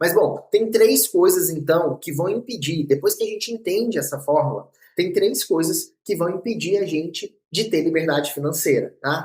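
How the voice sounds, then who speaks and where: A man talks with a Goiás accent. He hardly pauses at all. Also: moderate pace. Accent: Goiás (goiano). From Brazil, Goiás. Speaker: entrepreneur and business coach. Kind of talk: lecture. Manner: animated.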